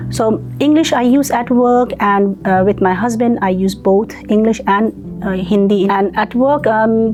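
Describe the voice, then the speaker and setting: A woman's medium-pitched voice with fairly even intonation, music in the background. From India. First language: Chinese dialect. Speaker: university English lecturer. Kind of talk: interview. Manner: hesitant, many fillers.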